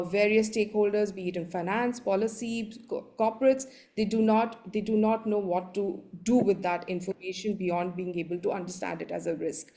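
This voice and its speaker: Mellow-voiced Indian woman presenting. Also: medium pitch. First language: Hindi. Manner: halting, repeats words and phrases. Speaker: panelist giving a slide presentation. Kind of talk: conference presentation, explanatory.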